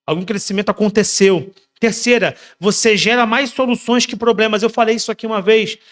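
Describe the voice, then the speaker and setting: A man preaching a sermon, repeating his points emphatically and swinging between soft and loud. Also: sits high. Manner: repetitive exhortations. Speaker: pastor.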